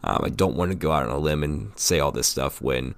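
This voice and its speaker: A very deep, gravelly male voice, slightly raspy from a cold. He hosts a solo podcast in a casual, rambling way, with lots of ums and uhs. The sound is close and dry, with no room echo. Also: brisk. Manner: casual, rambling, filler-heavy fan opinions. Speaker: podcast host. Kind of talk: solo sports podcast talk.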